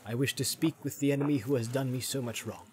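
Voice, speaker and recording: A man's voice: mid-range voice, steady tone, fast, darkish tone, voice pushed up, lightly acted. A man voicing an aged, wronged but fearless king in a fantasy storybook. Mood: proud, grave. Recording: music behind the voice.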